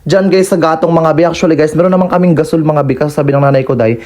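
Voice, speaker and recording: Campy, fast-talking young man. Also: fairly high pitch, fairly even intonation, a little mellow. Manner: campy, sassy and teasing, with constant playful asides. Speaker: vlogger. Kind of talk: comedic mukbang voice-over.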